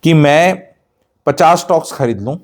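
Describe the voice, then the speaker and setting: Mixing Hindi and English, a Haryana man hosting a real estate channel gives an opinionated monologue that's blunt, sarcastic and lecturing, full of rhetorical questions. His voice is on the high side and expressive, at a measured pace.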